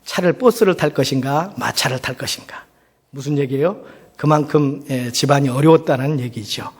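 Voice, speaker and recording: Speaking in a husky mid-range voice at a moderate pace, a middle-aged pastor from South Korea preaches through personal storytelling. His manner is conversational and full of rhetorical questions, and the large church hall gives the recording a reverberant sound.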